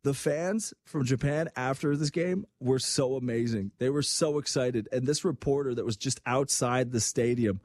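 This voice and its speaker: A man hosts a sports talk show, chatting casually in an animated way and acting out the voices of people he quotes. His voice is mid-range, at normal speed with hardly any pauses.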